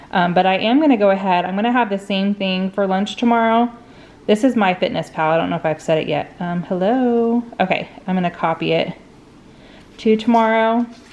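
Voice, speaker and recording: At a fairly quick pace, a woman talks in a medium pitch with ordinary pitch variation. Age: 40s. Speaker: vlogger, stay-at-home mom. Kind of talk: casual vlog talk to camera. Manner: fast.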